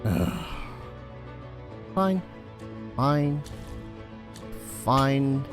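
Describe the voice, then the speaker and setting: A man's voice: mid-range voice, expressive, very slow. A man giving casual game commentary, muttering asides with some mild swearing and now and then reading game text aloud. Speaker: let's play host. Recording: game music behind voice. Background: video game music.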